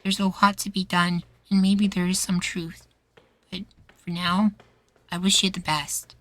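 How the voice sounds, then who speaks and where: A man acting a sweet, anxious, devoted young boywife in a soft, pleading ASMR roleplay. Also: high voice, level tone, a little slow. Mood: earnest, forgiving.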